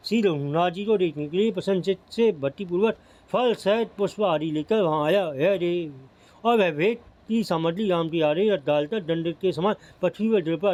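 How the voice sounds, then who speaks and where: A man reading a Hindu devotional epic aloud as a steady recitation, often stumbling and restarting words. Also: high-pitched. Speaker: scripture reader. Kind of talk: devotional scripture narration.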